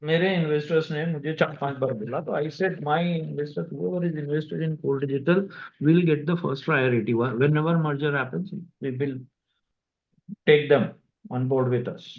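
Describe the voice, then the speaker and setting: A man with an Indian accent answering investors as a company executive on a conference call, speaking haltingly with pauses mid-sentence. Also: fairly high pitch, fairly even intonation, creaky. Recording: dull, echoey conference call audio.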